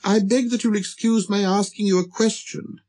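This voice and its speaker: A man's voice: high-pitched, fairly even intonation, moderate pace, darkish tone, pitched above the performer's own voice, lightly acted. A man voicing a timid, curious and polite little boy prince in a storybook. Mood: timid wonder.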